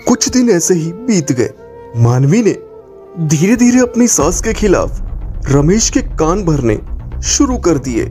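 Mellow man narrating a cartoon story. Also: sits high, big pitch swings, takes it slowly, soft background music. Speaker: narrator and voice of the husband.

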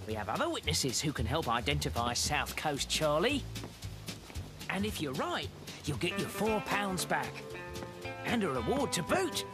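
A man's voice: fairly high pitch, big pitch swings, measured pace. A man voicing an unflappable, official police officer in a children's cartoon. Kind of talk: animated children's cartoon acting. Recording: music under the voice.

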